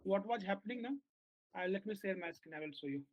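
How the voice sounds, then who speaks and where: On a video call at work, a software engineer talks his team through a bug, his speech halting and full of fillers and restarts. His voice is high-pitched with lively intonation, and the call audio is dull and lo-fi with no echo.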